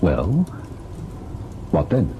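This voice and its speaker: A deep-voiced, earnest gentleman in a vintage radio ghost drama. His delivery swings expressively with a dark, soft tone, over a noisy old recording. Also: big pitch swings, extremely slow, narrow, tinny audio, full character voice. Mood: curious, halting. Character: educated, earnest husband and painter, narrating a ghost tale. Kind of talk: old-time radio narration and dramatic acting.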